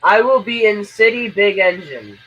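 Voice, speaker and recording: High-voiced rambling male game streamer. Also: animated, normal speed, bright, forceful tone, muffled recording. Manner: rambling, stammering, self-narrating. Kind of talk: casual live-stream chatter.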